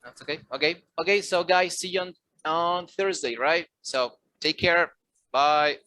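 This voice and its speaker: A man's voice: on the high side, steady tone, slow pace, pushed and bright, no room sound. A man teaching a language class, explaining grammar points and checking whether students understood. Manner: switches between Spanish explanations and simple classroom English. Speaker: English teacher. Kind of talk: online class instruction.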